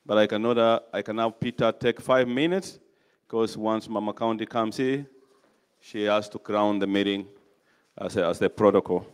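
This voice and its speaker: A man chairing a meeting, introducing speakers in a lively, announcing manner. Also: on the low side, moderate pace, clean tone. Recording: echoey hall.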